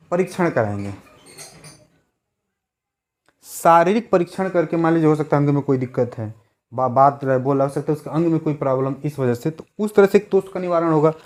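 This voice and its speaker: Guy teaching an exam prep class, kinda high voice, keeps repeating stuff and asking questions back at you. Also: darkish tone. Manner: repeats key words, asks the class rhetorical questions.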